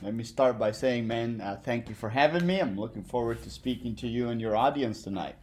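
A man from Egypt, a guest on a podcast, telling his life story in a relaxed way with hesitant fillers. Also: mid-range voice, fairly quick, noisy background. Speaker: interview guest. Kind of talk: interview, personal story.

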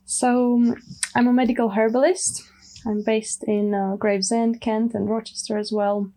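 Soft-spoken woman, mellow and even. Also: fairly high pitch, moderate pace, rough recording. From Romania. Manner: soft-spoken, thoughtful, many you knows. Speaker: medical herbalist guest. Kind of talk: casual interview.

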